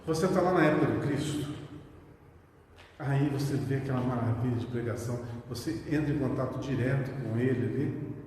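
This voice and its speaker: A man's voice: mid-range voice, a little fast, a little mellow, slight background noise. A man giving a spiritist study talk, reading short passages aloud and explaining them with rhetorical questions. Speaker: spiritist lecturer. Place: meeting hall of a spiritist center. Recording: echoey hall recorded from far off.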